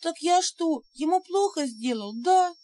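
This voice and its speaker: A woman voicing a timid little male house spirit, squeaky and plaintive. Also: animated, unhurried. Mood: distressed.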